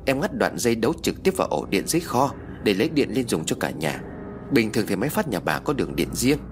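A man's voice: on the low side, very animated, quick pace, noisy background. A man voicing a practical middle-aged uncle who explains and brushes off fears. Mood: explaining. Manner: matter-of-fact, dismissive.

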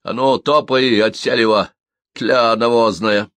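Man doing a gruff young village man. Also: mid-range voice, steady tone, unhurried, no room sound, lightly acted. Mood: gruff command. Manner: rough commanding shouts.

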